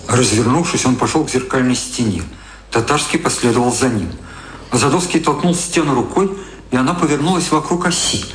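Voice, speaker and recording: A man's voice: mid-range voice, brisk, slight background noise. A man reading scripted narration for a radio drama. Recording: roomy echo. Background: music.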